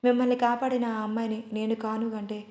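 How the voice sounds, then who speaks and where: A caring young wife, voiced by a woman storyteller, thinking quietly and inwardly. The voice is high and level, in a room with a clear echo. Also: level tone, quick pace, close to an everyday voice. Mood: worried. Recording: roomy echo.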